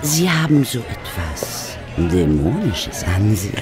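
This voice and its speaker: An actress playing a haughty, theatrical film diva in a radio play, affected and dramatic in manner. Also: female voice, a bass voice, big pitch swings, slow pace, heavily acted. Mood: intense. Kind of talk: German radio play acting. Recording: party crowd and music behind.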